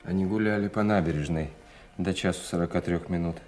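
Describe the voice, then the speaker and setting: A man acting a sly, knowing secret agent in an audio drama, courteous and insinuating, with measured phrasing. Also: deep voice, fairly even intonation, a little mellow, soft background music, lightly acted. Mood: deferential, reporting.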